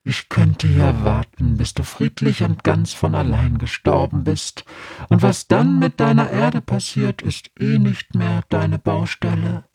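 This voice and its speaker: A man's voice: on the high side, animated, a little slow, dark tone, no room sound, clean studio sound, voice pushed up, exaggerated voice. Denise, a grumpy dragon creature voiced by a man. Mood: teasing. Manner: gruff, blunt, unbothered. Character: grumpy sleepy female Tatzelwurm dragon creature.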